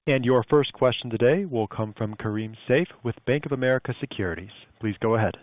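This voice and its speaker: A man's voice: mid-range voice, a little fast, no echo. A man giving scripted instructions as a conference call operator. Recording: dry narrow phone line.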